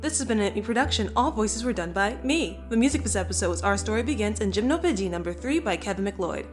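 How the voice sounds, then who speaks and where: A woman's voice: mid-range voice, animated, fast talker, over music. A woman reading a scripted podcast outro as the show's creator.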